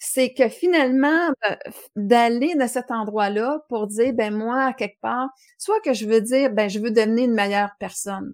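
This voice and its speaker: A woman talks in a normal speaking voice at a fairly high pitch and a fairly slow pace. The recording is very clean, with a silent background. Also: ordinary pitch variation. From Quebec, Joliette region. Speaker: life coach. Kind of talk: casual interview.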